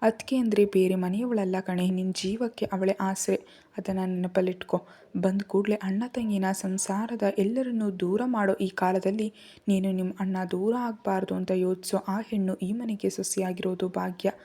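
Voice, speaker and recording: A woman voicing a gentle elder brother in a storybook. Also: mid-range voice, fairly even intonation, moderate pace, close to an everyday voice. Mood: tender. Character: gentle caring elder brother, young man.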